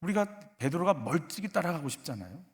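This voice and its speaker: A male pastor preaching a sermon, questioning the congregation and acting out short skits in a softer, lower voice. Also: sing-song, quick pace, in a large hall. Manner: acts out short skits, softening into a low hushed voice for quoted lines; asks the congregation questions, leads a call-and-response exercise. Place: church sanctuary.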